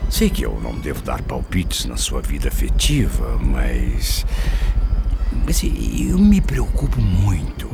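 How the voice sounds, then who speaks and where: A middle-aged adoptive father in a radio drama, lecherous beneath a protective air. His low voice swings widely in pitch as he sweet-talks haltingly and insinuatingly over prominent music. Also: vocal fry, exaggerated voice. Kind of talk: radio soap opera acting.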